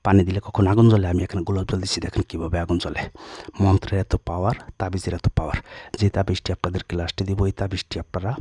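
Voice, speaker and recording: A man's voice: low voice, little pitch movement, rapid-fire, mellow, husky, dry recording. A man, a folk healer in his chamber who boasts, repeats his challenges, and chants incantations in a rhythmic drone. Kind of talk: instructional video with chanted incantations. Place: his healing chamber, indoors.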